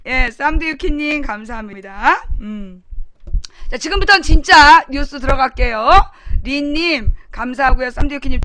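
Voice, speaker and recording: Female live-stream host, high bright voice, dry close sound; chatty, blunt, laughs a lot. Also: no room sound. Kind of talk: casual live-stream chat reading viewer comments.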